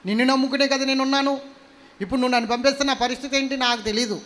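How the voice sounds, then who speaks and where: A man's voice: very high-pitched, steady tone, very fast, a bit bright, voice pushed up. A man voicing a tearful young mother who pleads after being sent away, in a sermon retelling. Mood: pleading. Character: weeping young mother cast out in the desert.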